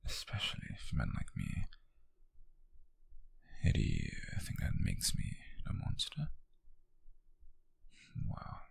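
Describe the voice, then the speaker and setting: A British man playing a possessive, obsessive, smug wealthy captor in an intimate ASMR roleplay, husky and whispery, speaking softly and deliberately close to the mic. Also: no room sound, close to an everyday voice. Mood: assertive, unapologetic. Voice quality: breathy, husky, gravelly whisper. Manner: slow, deliberate, menacingly soft. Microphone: close microphone, dry.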